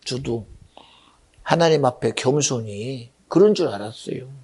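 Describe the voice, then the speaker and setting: A man preaching a Sunday sermon in a church, impassioned, dropping to hushed whispers and rising to loud exclamations. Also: mid-range voice, animated, a little slow, slightly rough. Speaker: pastor. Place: church sanctuary.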